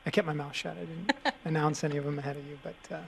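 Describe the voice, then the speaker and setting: A male commissioner speaking in a gravelly, rather monotone voice that sits a bit high. His remarks are halting, with many pauses and filler sounds. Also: a little hiss or hum. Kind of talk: formal meeting remarks.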